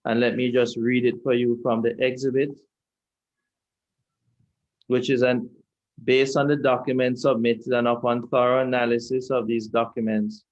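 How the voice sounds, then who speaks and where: A man with a Jamaican accent, a lawyer questioning a witness at an inquiry in a measured, deliberate, repetitive way. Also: medium pitch, flat delivery, lo-fi sound. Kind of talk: courtroom cross-examination. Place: inquiry hearing room.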